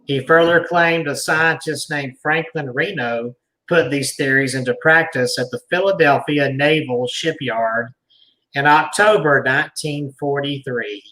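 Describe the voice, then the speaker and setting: Bright-voiced man reading aloud. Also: on the high side, a little slow, rough recording. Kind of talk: reading an article aloud with asides.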